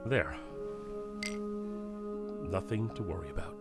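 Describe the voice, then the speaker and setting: A man's voice: deep voice, lively intonation, slow pace, creaky, over music, heavily acted. A man playing an anxious, protective middle-aged scientist father in an audio drama, speaking hesitantly, carefully and earnestly. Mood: uneasy.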